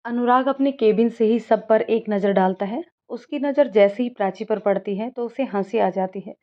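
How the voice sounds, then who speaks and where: Woman narrating a story, lo-fi sound. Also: mid-range voice. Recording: dull lo-fi recording.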